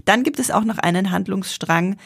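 An Austrian woman talks casually on a podcast, stopping and restarting her sentences and filling gaps with little hesitations. Her mid-range voice has a gravelly edge, and the recording is close and dry. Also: medium pitch, normal speed, no echo. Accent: Austrian German. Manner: chatty, frequent fillers and restarts. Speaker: podcast co-host, film journalist.

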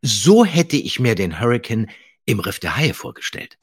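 A man's voice: medium pitch, big pitch swings, normal speed, background noise. A man hosting a podcast about radio plays, chatting casually and enthusiastically with anecdotes. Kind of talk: casual chat.

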